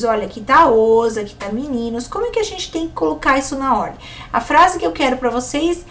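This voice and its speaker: Animated Brazilian woman teaching teachers. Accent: Brazilian Portuguese. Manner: clear explanatory pace with lively pitch swings. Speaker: teacher giving an online course. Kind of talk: instructional lesson for educators.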